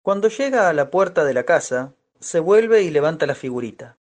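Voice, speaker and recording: A woman narrates a radio play in a very low-pitched voice. She reads scripted stage directions between the scenes of dialogue. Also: animated, moderate pace, darkish tone.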